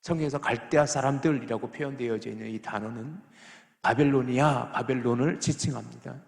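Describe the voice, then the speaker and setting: A male pastor delivers a Sunday sermon with a gravelly edge to his voice. He presses the congregation with rhetorical questions, dropping to a hush and then rising loud and emphatic. The sound rings around a church hall with a long reverb tail. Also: medium pitch, a little fast. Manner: swings from hushed to loud and emphatic. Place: church sanctuary.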